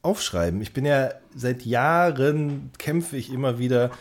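An unhurried man with a mid-range voice co-hosts a casual podcast conversation. He's verbose and self-correcting, frequently rephrasing and circling before he lands on what he means.

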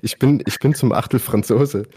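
A podcast guest presenting his favourite video games chats casually and informally, using youthful slang. His voice is medium-pitched, mellow, and slightly rough, at a moderate pace.

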